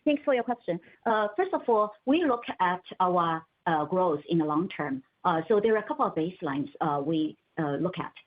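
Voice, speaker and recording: A woman executive answering analysts on an earnings call, measured and pausing between short phrases. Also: on the low side, animated. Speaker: company executive. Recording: muffled narrow telephone conference line.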